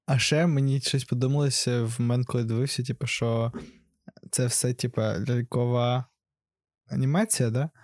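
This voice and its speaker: A man's voice: medium pitch, fairly even intonation, normal speed, a little mellow, dry recording. Rambling young man, dry sound. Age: young adult. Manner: rambling, fillers, laughs often. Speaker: podcast co-host. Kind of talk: casual film discussion.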